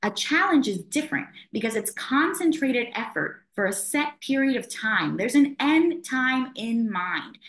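Hardly pausing, a high-pitched woman with an American accent swings very widely in pitch amid audible room echo. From US Northeast, Philadelphia. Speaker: travel content creator. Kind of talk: podcast interview. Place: home room. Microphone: webcam.

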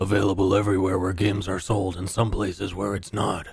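A booming, raspy put-on character voice from a man, fairly low in pitch, very fast and monotone with flat intonation, over light background noise. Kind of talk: advert-style.

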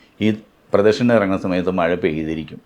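A man speaks with a very deep, low pitch. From Kerala, India (Chembu, Vaikom, Kottayam). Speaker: actor and vlogger. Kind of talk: personal reminiscence vlog.

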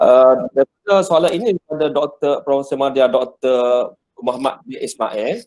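Very slowly, a man speaks at a fairly high pitch with ordinary pitch variation. The background is quiet. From Malaysia. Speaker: webinar moderator. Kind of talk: formal interview. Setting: video call. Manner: formal. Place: office. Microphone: earbuds.

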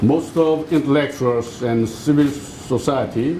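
Against noticeable background noise, a man speaks very slowly with a Korean accent and ordinary pitch variation. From South Korea. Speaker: professor. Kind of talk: conference talk. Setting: stage with audience. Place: meeting room. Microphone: podium.

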